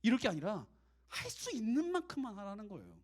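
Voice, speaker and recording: A man preaching a casual, conversational sermon to young adults as their youth pastor, animated and direct. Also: sits high, fast talker.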